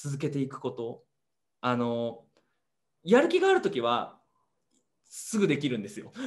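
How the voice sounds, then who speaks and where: A man talks at a moderate speed with a quiet background behind him. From Japan. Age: 30s. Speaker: Japanese language teacher and educational YouTuber; Japanese teacher, interview guest. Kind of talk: interview conversation. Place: home room. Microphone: video call.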